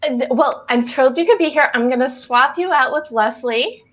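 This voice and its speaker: A woman's voice: high voice, moderate pace, a bit bright, lo-fi sound. A woman hosting a live video chat, upbeat and welcoming as she introduces guests. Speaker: host.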